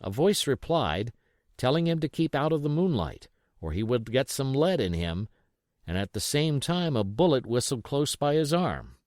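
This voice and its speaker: A man narrates an adventure novel with expressive, dramatic storytelling. His middle-range voice moves widely up and down, and the recording is close and dry with no room sound. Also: medium pitch, normal speed, no echo. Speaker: audiobook reader.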